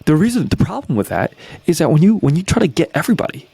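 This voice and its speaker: Fast-talking, gravelly young man coaching. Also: on the high side, no echo. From New York, USA. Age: 20s. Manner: energetic, rhetorical questions, constant tag "right?". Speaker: YouTube business coach. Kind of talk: teaching marketing breakdown.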